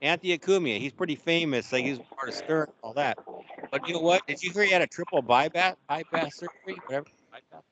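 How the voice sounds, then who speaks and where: A man's voice: fairly high pitch, fast talker, background noise. A man chatting casually, rambling and losing his thread mid-sentence. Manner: rambling, trails off mid-thought. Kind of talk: casual chat.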